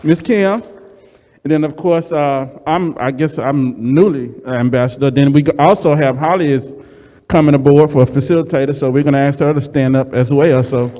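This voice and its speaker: A man hosting a meeting and introducing speakers, speaking haltingly with many ums and restarts. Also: a little high, warm tone. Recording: reverberant meeting hall.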